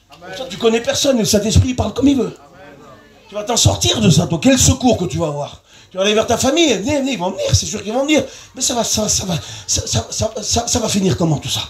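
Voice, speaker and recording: A male pastor preaching an evangelistic sermon at an evening revival meeting under a large tent, fervent and repetitive, rising into shouts and sing-song phrases. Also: high voice.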